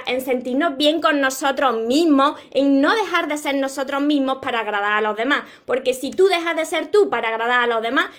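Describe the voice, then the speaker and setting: A woman from Córdoba with an Andalusian accent, giving an earnest, encouraging motivational talk to her viewers on a live stream. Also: sits high. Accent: Andalusian Spanish. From Córdoba, Andalusia, Spain. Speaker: motivational content creator and author.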